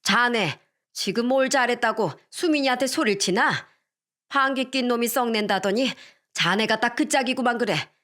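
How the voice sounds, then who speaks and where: A woman's voice: on the high side, moderate pace, fairly bright tone, pitched above the performer's own voice, lightly acted. A woman voicing an elderly grandmother who scolds her son-in-law in blunt, old-fashioned speech. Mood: furious.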